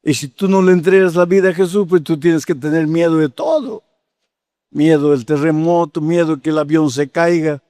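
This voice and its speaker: A man's voice: fairly high pitch, moderate pace, warm tone, dry recording, clean studio sound. A man in his eighties preaching a sermon as pastor, telling a story with acted-out dialogue and building to fervent exhortation. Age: 80s.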